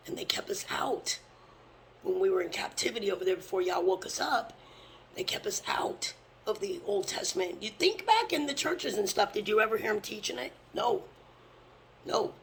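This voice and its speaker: Gravelly, intense street preacher. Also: mid-range voice, animated, normal speed, pauses often, a little hiss or hum, rough recording. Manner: intense, often drops to a hushed whisper; blunt, with occasional swearing. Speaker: religious teacher. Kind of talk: fervent scripture preaching.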